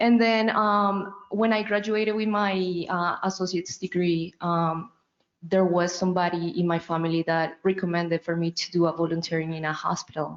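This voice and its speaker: With a Spanish accent, a woman talks at a moderate pace in a fairly low pitch, her intonation fairly even. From Colombia. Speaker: biomedical technician. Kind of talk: panel discussion.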